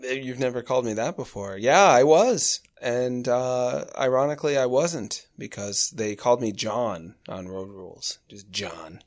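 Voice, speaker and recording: A man co-hosting a comedy podcast, answering with wry, deadpan remarks. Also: mid-range voice, a little slow, few pauses. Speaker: podcast co-host. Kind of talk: comedic banter.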